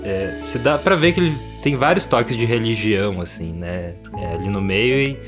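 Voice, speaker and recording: A man with a Brazilian accent co-hosting a podcast, chatting casually about books in a halting way with repeated words. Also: lowish voice, lively intonation, over music. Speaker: podcast co-host. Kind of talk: casual book chat.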